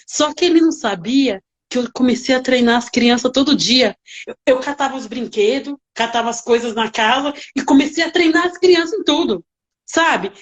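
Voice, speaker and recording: A woman working as a nanny, telling stories in a casual interview with lively, emotional reenactments. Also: high voice, muffled recording.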